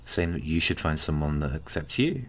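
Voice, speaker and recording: Very deep, gentle, bashful male friend, acted by a man. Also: expressive, normal speed. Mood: sympathetic. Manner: gentle, hesitant, bashfully rambling. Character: kindly, awkward, flirtatious tiny-sized male friend, caring and teasing. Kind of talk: ASMR roleplay, intimate conversational acting.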